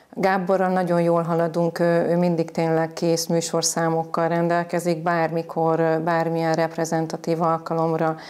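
A woman speaks in a fairly low, dark, mellow voice. Her intonation is monotone and flat, at a fairly slow pace. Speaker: music teacher. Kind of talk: interview. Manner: fluent, long sentences. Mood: warm, proud of student. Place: classroom.

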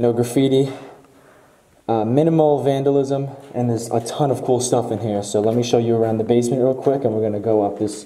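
This man speaks at a fairly quick pace. His intonation stays fairly even. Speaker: urban explorer vlogger. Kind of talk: casual vlog chat. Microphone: phone near.

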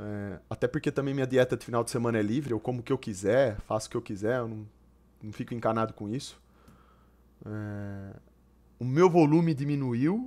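This man's speech has long, frequent pauses. His pitch varies in an ordinary way. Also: moderate pace, big swings in loudness. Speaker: streamer. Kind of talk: casual live stream chat. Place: home room. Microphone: headset.

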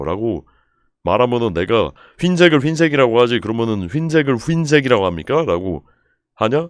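A man at medium pitch with very wide pitch swings, against a quiet background. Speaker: streamer. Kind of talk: live stream chat. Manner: animated.

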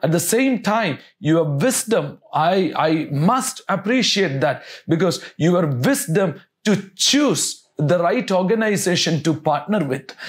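A man's lively intonation carries through his very slow delivery. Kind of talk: motivational address. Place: office. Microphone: lapel.

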